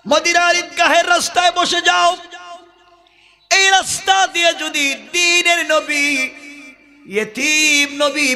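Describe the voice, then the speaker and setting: A man's voice: extremely high pitch, sharp tone, voice pushed up, full character voice. A man voicing a poor widowed mother in a sermon tale, sorrowful and tender as she earnestly counsels her child.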